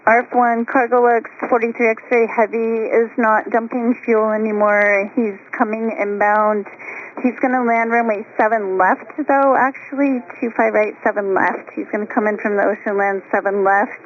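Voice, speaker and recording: A woman's voice: fairly high pitch, flat delivery, normal speed. Female controller on a dull, faintly noisy line. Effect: radio or landline transmission. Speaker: air traffic controller. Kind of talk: informal coordination between controllers.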